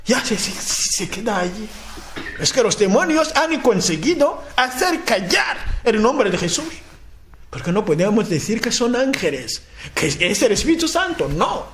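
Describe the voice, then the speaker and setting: A man with a very high voice gives a spoken sermon, his pitch leaping around as he acts out people's replies. He repeats himself and stumbles over words. It sounds like an echoey convent hall with a faint hiss behind him. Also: sing-song, unhurried, a bit bright. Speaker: preacher. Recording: echoey room, faint noise.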